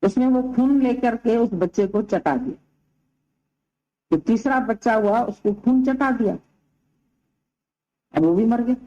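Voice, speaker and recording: Slow-spoken woman spiritual teacher telling a story. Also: on the high side, warm tone, dull audio. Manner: unhurried folksy storytelling with quoted dialogue. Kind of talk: storytelling discourse at a satsang.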